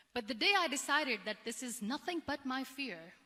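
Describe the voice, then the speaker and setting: A woman projects a raised, high-pitched voice with lively intonation. She keeps a fairly slow pace. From Pakistan. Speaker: motivational speaker. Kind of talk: motivational speech.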